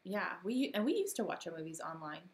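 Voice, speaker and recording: A woman in her thirties talks casually through a home live stream, relaxed and laughing easily. Her voice sits on the lower side and sounds a bit worn, as if she is losing it. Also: brisk.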